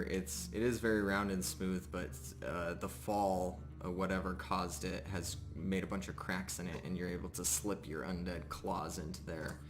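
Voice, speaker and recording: A man narrating a live tabletop roleplaying game as game master, often pausing mid-sentence as he describes things. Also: deep voice. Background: music.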